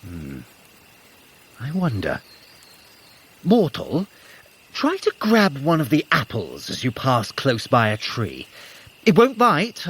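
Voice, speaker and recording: Sly, swooping trickster god. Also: male voice, medium pitch, a bit bright, breathy edge, exaggerated voice. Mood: teasing. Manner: arch, theatrical, wry formal phrasing. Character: sly, playful male trickster god, smug and teasing. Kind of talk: scripted audio drama acting.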